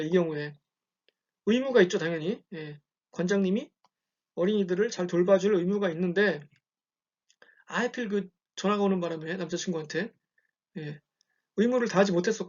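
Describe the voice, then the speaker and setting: A man lecturing in a relaxed, conversational way, often checking in with "예" and telling examples. The recording is dull and lo-fi. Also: high-pitched. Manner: conversational, frequent "예" check-ins, storytelling examples. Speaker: university lecturer.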